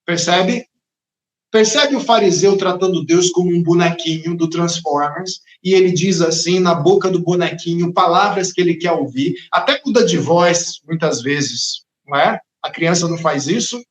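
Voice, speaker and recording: A man preaching a sermon as pastor, expressive and dramatic, sometimes acting out the voices of the people he talks about. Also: a little high, moderate pace, reverberant.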